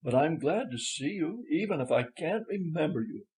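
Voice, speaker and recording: A male narrator gives voice to a young Southern lady in a storybook. The pitch is raised and softer than the bold old folk around, with a polite, frank way of talking. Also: big pitch swings, moderate pace, poor audio. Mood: polite, friendly.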